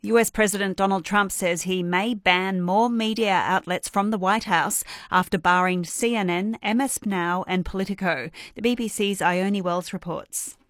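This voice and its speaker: A woman reading radio news in a crisp, measured voice. The sound is close and dry, with no room tone. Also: medium pitch, fairly bright tone, no echo. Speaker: newsreader.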